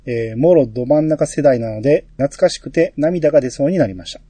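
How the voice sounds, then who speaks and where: A man hosting a casual podcast, reading listener mail aloud with a relaxed, teasing manner. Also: mid-range voice, brisk, husky, dry recording. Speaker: podcast host.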